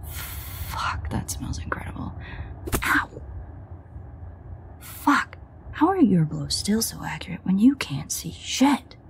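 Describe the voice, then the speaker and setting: A woman playing a sardonic, exasperated vampire in an audio roleplay, grumbling and swearing in a husky near-whisper. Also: on the low side, a little mellow, full character voice. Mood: tense, tempted. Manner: sarcastic, profane, grumbling. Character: sardonic, exasperated female vampire, reluctant ally. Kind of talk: audio roleplay addressed to the listener.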